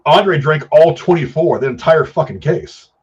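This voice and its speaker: A man's voice: fairly high pitch, moderate pace, breathy edge, lo-fi sound. A man co-hosting a casual film chat, telling rambling anecdotes in slangy, profane language. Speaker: podcast co-host.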